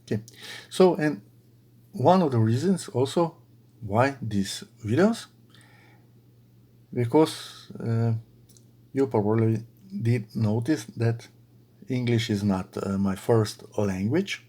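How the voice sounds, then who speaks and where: A middle-aged man from Slovenia with a Slovenian accent, chatting casually to his followers while he crochets at home, halting with many fillers. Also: medium pitch, dark tone. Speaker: crochet video creator. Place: bedroom at home.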